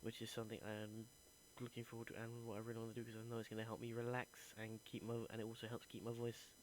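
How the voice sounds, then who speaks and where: A man's voice: medium pitch, monotone, fast talker, slight background noise, low-quality recording. A young man, an acting student, earnestly recording a reflective voice diary and thinking aloud as he goes.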